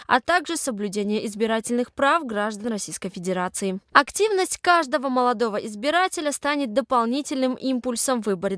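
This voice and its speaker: A woman reporter reading a scripted news report in a formal, even voice. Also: on the high side, no echo, clean studio sound. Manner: formal, even read-out delivery.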